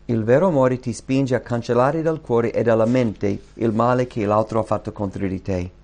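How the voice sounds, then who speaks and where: A man preaching a sermon and reading scripture aloud, swinging between loud, high emphatic bursts and quiet, low asides. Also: normal speed, gravelly. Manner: reads scripture aloud to the congregation.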